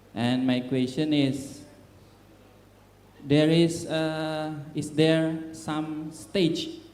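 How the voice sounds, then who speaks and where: A man with an Indonesian accent, fairly high pitch and fairly even intonation at a very slow pace, with audible room echo. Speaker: teacher asking a question. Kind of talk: conference Q&A question. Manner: halting.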